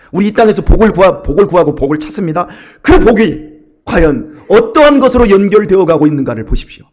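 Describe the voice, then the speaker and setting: Animated pastor with a high, lively voice. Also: male voice. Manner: animated storytelling, acting out his own inner voice. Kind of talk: dawn sermon with personal story.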